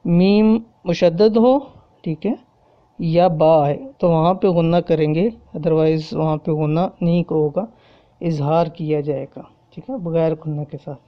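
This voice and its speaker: A woman's voice: sits low, steady tone, lo-fi sound. A woman teaching Quran recitation rules. She explains patiently, repeats each point, and asks "okay?" to check that her students follow. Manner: recites the Arabic examples slowly and drawn out. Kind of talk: explanatory tajweed lesson.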